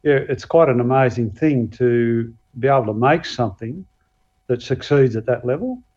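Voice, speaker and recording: A man's voice: medium pitch, moderate pace, a little mellow. Man, Australian accent, modest, hesitant, lots of fillers, casual chat, slightly dull audio. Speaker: guest axe and knife maker.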